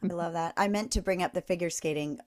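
A woman's voice: on the low side, quick pace. A woman hosting a podcast, interviewing casually in an encouraging, affirming way. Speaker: podcast host.

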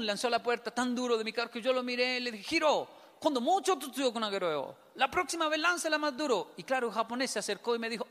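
A man's voice: very high voice, a little hiss or hum. A Colombian man telling funny stories to an audience and acting out both sides of each conversation. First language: Spanish. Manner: animated storytelling, acts out both sides of dialogues. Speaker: speaker. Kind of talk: humorous talk to an audience. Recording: long hall reverb.

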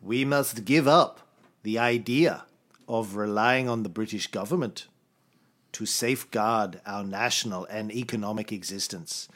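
A man's voice: lowish voice, measured pace, fairly bright tone, voice pushed down. A man putting on a grave Arab statesman with an Arabic accent. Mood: solemn. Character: solemn Arab nationalist leader reading a proclamation.

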